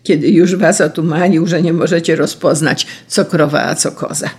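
A sly village thief, as a storyteller puts him on, wheedling and mocking in a gravelly voice. He sounds a little raised and husky, as in a told folk tale. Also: mid-range voice, fairly even intonation, normal speed, darkish tone. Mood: sly teasing.

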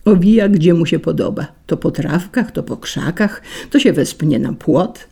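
A woman's voice: low-pitched, animated, moderate pace, creaky, mellow, husky, exaggerated voice. A woman voicing a restless, mocking male breeze in a storybook fable, teasing and scornful in manner.

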